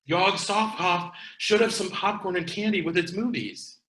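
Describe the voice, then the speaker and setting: A man playing a brisk, scheming video store clerk in a comedy table read, emphatic and comically blunt, in a roomy, echoing space. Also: high-pitched, pushed and bright. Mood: awkwardly polite.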